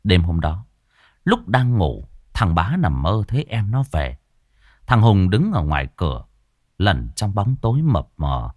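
A man narrating a horror story in a dramatic, expressive way. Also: low voice, measured pace, dry recording, clean studio sound.

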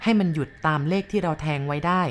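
ผู้หญิงทำเสียงครูชายบ้าหวย จริงจัง มีเสียงซ่าเบาๆ ข้างหลัง. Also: female voice, on the low side, fast, slight background noise, close to an everyday voice. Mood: earnest. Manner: eager, conspiratorial. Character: older male teacher hooked on lottery gambling.

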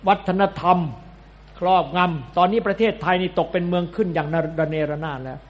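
A man's voice: high voice, fairly quick. A man, a Buddhist monk, giving a sermon in a blunt, colloquial, scolding way.

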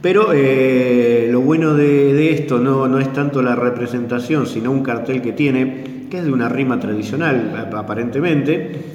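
A man from South America hosting a radio talk show, explaining things in a hesitant way with many pauses and fillers. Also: medium pitch, a little mellow, dull audio. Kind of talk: casual explanatory radio chat. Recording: echoey room with long reverb.

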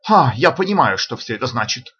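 Brief: excitable professor bursting out in anger, raised bright voice, a male reader puts him on, dull lo-fi audio. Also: mid-range voice, brisk, slight background noise. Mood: demanding. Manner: shouting, indignant outbursts. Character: agitated male professor, hot-tempered.

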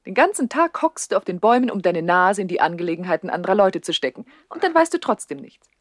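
An actress playing a haughty, coquettish young widowed princess in a 1960s German radio play, imperious and teasing in a theatrical way. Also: female voice, medium pitch, big pitch swings, fast, no echo, clean studio sound, close to an everyday voice. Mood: haughty, flippant.

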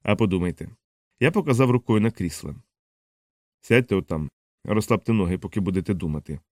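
A man doing a calm, hardened ex-soldier. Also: deep voice, fairly quick, no room sound, clean studio sound. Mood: quiet threat. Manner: soft-spoken, calm, firm. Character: hardened male ex-soldier, calm and quietly threatening.

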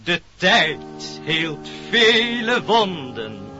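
A man's voice: high voice, very animated, extremely slow, bright, forceful tone, soft background music, full character voice. A man playing a pompous little animal preacher in a radio play, solemnly declaiming rhymed verse like a sermon. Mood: solemn, lofty. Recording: dull old radio recording.

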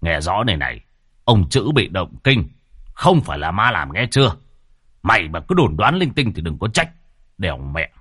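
A man voicing a gruff, stubborn village man who brushes off talk of ghosts and scolds a nephew, in a low voice. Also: very animated, fairly quick, fairly bright tone, a little hiss or hum. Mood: scolding.

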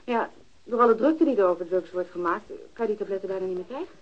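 A woman's voice: medium pitch, fast talker, natural voice. An actress playing a frank, matter-of-fact woman who uses drugs, giving testimony in a radio crime drama. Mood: frank, unapologetic. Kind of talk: Dutch radio drama dialogue. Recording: dull, lo-fi archived radio recording.

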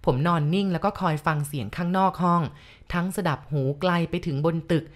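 A woman narrating a first-person ghost story in a steady, measured way. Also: lowish voice. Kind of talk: story reading.

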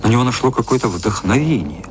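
An actor narrating a satirical radio play as a composed, dry storyteller reading literary prose. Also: male voice, mid-range voice, expressive, fast, noisy background, lightly acted. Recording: music under the narration.

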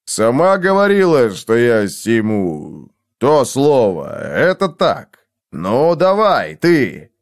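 A man voicing a sullen, menacing scarred brute who growls slowly. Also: mid-range voice, wildly swooping pitch. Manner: growling, slow and threatening.

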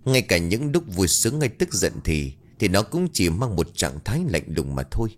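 Lively male storyteller, low voice. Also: normal speed. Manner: steady, dramatic narration. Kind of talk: dramatic story narration.

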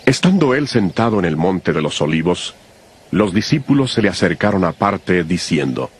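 A man's voice: low-pitched, big pitch swings, normal speed, slight background noise. A man reading scripture as the narrator of a dramatized audio Bible, in a scripted narration style.

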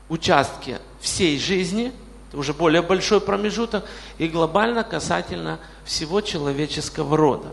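Male pastor, late 40s, gravelly voice, reverberant hall. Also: sits high, fairly bright tone. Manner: questions the congregation directly. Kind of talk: sermon.

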